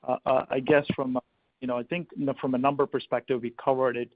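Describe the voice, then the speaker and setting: Man on a thin phone line, halting. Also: medium pitch, flat delivery, dry recording. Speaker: company executive. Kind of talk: answering analyst questions on an earnings call. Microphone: telephone. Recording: thin telephone conference line.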